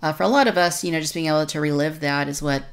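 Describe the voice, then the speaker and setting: A woman with a low voice hosts a conversational podcast. She is from Texas and talks through the discussion as its host. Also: fast talker. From Texas, United States.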